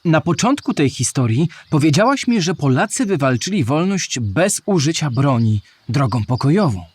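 A man's voice: on the high side, big pitch swings, moderate pace, a little mellow, husky, no room sound. A man playing a curious, naive young male listener who asks questions in a scripted children's audio play. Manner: inquisitive, naive.

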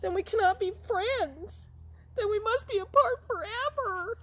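A woman doing a squeaky wailing young elephant. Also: a little slow, fairly bright tone, no room sound. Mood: distressed. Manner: high squeaky dramatic wailing. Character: sneezy anxious young male elephant.

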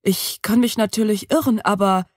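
A woman narrating an audiobook in the first person, her voice sitting in a middle register. Her reading is steady and measured, recorded close in a dry studio. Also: medium pitch, no room sound. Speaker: audiobook reader. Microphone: close studio mic.

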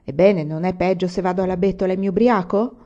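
A woman's voice: lowish voice, fairly even intonation, fast, dark tone, close to an everyday voice. Woman reading as a carefree young husband. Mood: coaxing. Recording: dull lo-fi recording.

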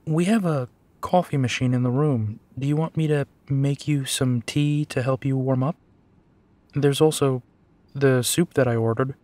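A man playing a gentle, protective, weary werewolf detective in an intimate audio roleplay, with a soft, halting delivery. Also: medium pitch, fairly even intonation, a little hiss or hum, natural voice. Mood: tender, flustered.

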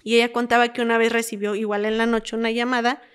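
Smooth-voiced Mexican woman telling stories. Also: on the high side, fast talker. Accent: Mexican Spanish. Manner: animated storyteller, quotes callers with dramatic whispers and pleas. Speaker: former emergency call operator. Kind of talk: conversational storytelling.

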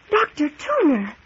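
A woman's voice: very high-pitched, full character voice. An actress playing an anxious, insistent young woman in a 1940s radio mystery. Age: young adult. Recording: muffled, noisy old radio recording.

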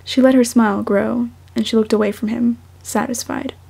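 A young woman speaking softly and unhurriedly, as an amateur reader of her own fiction. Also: fairly high pitch, little pitch movement, moderate pace, vocal fry. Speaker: fan fiction author and podfic reader. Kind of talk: audiobook-style story narration, then casual self-conscious chat.

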